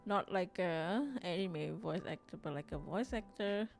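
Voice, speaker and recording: A woman's voice: lowish voice, unhurried, gravelly, faint music behind. A woman from Singapore hosting a live drawing stream, chatting casually, reading chat aloud and rambling with frequent restarts. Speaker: livestream artist host.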